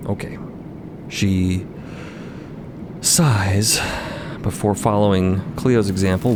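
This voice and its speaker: Deep, creaky male storyteller. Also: noisy background. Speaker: narrator. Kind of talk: scripted storytelling narration for audio drama.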